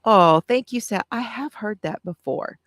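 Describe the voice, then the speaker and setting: A woman hosting a casual live stream, with a soft, calming voice, reading out notes on breathing and answering viewer comments. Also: medium pitch, no echo, studio quality. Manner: gentle, reads aloud with pauses and answers viewer comments. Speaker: craft channel host.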